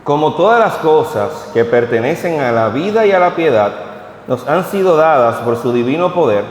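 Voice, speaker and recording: Guy in his 30s preaching, reads the bible steady then chats with the church, roomy hall echo. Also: a little high, moderate pace. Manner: reads scripture steadily, then talks plainly with the congregation. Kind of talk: sermon with scripture reading. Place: church hall at a vigil service. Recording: echoey hall with long reverb.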